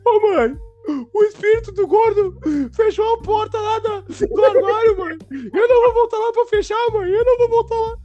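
A man doing a terrified little boy, crying hard, high and squealing, pleading and wailing in a bright, strained voice that cracks as he sobs. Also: fairly even intonation, normal speed, highs cut off.

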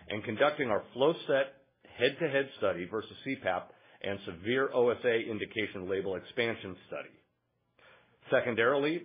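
Husky man reading on a muffled phone line. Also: on the low side. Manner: formal, measured reading of figures. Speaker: company finance executive. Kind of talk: scripted financial report on an earnings call. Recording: muffled, narrow phone-line conference audio.

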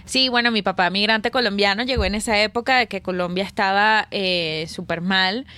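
Venezuelan woman, podcast guest, easygoing conversational delivery, mid-pitched voice. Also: normal speed, sharp tone, dry recording. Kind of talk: casual podcast chat.

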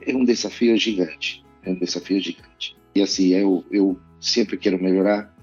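A middle-aged man from Argentina whose Spanish accent colors his Portuguese speaks as a pastor in an interview. His voice is low and husky, and he sounds thoughtful, pausing often. The audio is muffled and lo-fi, with faint music under it. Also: fairly even intonation, a little mellow, dry recording. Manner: reflective, earnest, hesitant with "eh". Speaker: pastor and missionary. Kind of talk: casual podcast interview.

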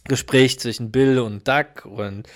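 A man's voice: mid-range voice, steady tone, slow pace. Male podcast co-host, casual, hesitant, mostly short agreements and brief remarks. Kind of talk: casual chat.

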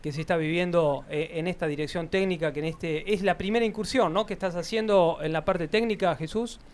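A man's voice: high-pitched, fairly quick. A man with a Rioplatense accent hosting a radio sports show, interviewing a guest with a hesitant delivery. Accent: Rioplatense Spanish.

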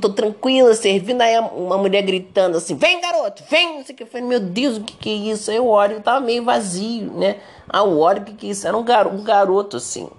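A woman with a Brazilian accent, chatting casually to her followers and telling a story in an expressive way. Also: medium pitch. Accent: Brazilian Portuguese. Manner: chatty, expressive, many fillers like "gente". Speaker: vlogger.

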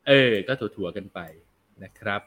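A young adult man hosts a laid-back film review chat, his voice bright and forceful. He talks in a loose, slangy way and reads out viewer questions before answering them. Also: moderate pace. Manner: relaxed, chatty, slangy, reads out viewer comments. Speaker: film review show host.

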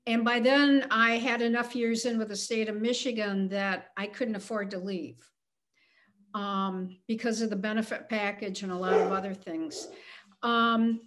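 A woman's voice: medium pitch, fairly even intonation, a little slow, fairly bright tone. A woman of seventy speaking as an interview guest, candid and plainspoken, a little self-deprecating. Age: 70s. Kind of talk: casual interview conversation.

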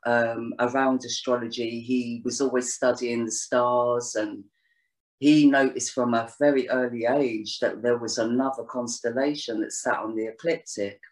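A woman's voice: rumbling low, darkish tone. A woman guest in a casual interview, talking at length in a rambling way with lots of "you know"s and restarts. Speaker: astrologer guest.

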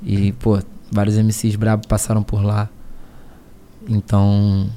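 A man in his thirties with a Rio de Janeiro accent, a rap battle MC talking slowly as a podcast guest, hesitant and full of slang fillers. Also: lowish voice, completely flat delivery, mellow, slight background noise. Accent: Carioca Brazilian Portuguese. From Niterói, Rio de Janeiro, Brazil. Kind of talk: casual interview chat.

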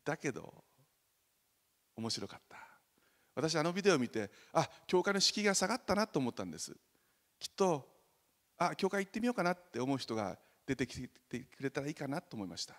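A man preaching a sermon as pastor, animated and joking, loudly acting out the voices he quotes. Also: fairly high pitch, a little fast, big-room sound. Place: church sanctuary.

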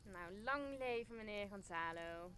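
A woman's voice: mid-range voice, animated, measured pace, fairly bright tone, slight background noise. A woman playing a sardonic, cynical courtier who quips in an audio drama. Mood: sarcastic. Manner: sardonic, quipping. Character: mocking, cynical, scheming courtier. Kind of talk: Dutch audio drama acting of Shakespeare.

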